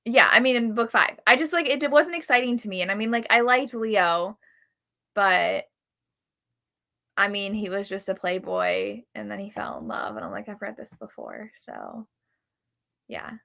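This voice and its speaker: A woman's voice: mid-range voice, very animated, normal speed, creaky, sharp tone. A woman chatting casually about books on a live show, peppering her talk with "like" and acting out quotes. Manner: heavy use of "like". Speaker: co-host of a book club readalong.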